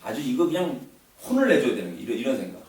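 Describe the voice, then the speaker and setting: Speaking in a rapid-fire, sing-song voice of medium pitch, a man lectures an audience casually, his conversational delivery full of fillers and repeated words. Faint noise and heavy echo fill the room, and the mic is far away.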